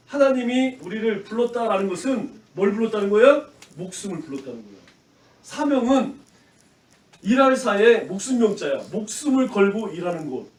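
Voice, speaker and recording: A high-pitched male pastor gives a lively children's sermon, throwing questions at the kids and acting out the shouts of angry crowds. He stands some distance from the microphone, so his voice rings through a roomy church sanctuary. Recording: roomy echo from off-mic.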